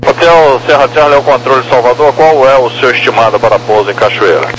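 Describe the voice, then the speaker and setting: A man's voice: mid-range voice, quick pace, slight background noise, poor audio. A Brazilian man working as an approach controller, giving matter-of-fact instructions in aviation phraseology over a radio transmission. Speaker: approach air traffic controller. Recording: faintly humming aviation radio.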